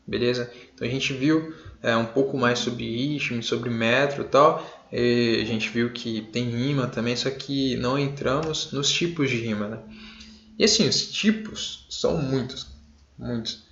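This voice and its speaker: A man with a Brazilian accent teaching an online literature class in a casual way, full of fillers and check-ins, with some jokey shouted examples. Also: mid-range voice. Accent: Brazilian Portuguese. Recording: roomy, dull lo-fi sound.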